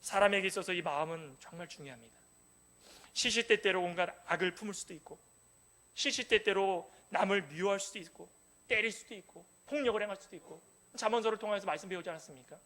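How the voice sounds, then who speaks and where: A male pastor preaching an impassioned sermon, swinging between loud cries and hushed pleas in a church. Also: sits high, fast. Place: church sanctuary.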